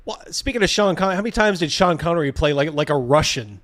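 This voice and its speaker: A man with a fairly high voice hosts a casual livestream reaction. He talks bluntly and mockingly, swears freely and breaks off to read viewer comments. The sound is close and dry, without room echo. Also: expressive, fast talker, fairly bright tone. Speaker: host of a livestream reacting to a video.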